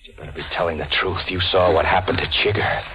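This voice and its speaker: An actor playing a menacing, distrustful small-time hood with tough, slangy talk in an old-time radio crime drama. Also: male voice, low voice, steady tone, fast talker, breathy edge. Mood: cold menace. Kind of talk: 1940s radio crime drama acting and narration. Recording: muffled old-time radio recording with music.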